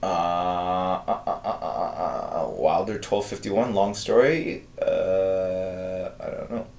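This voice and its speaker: Man, fifties, lowish voice, casual stream host, rambling, lots of fillers, echoey room. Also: slow pace, gravelly, darkish tone. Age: 50s. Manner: rambling, thinks aloud with many fillers. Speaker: artist hosting a live drawing stream. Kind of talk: casual chat reading viewer messages.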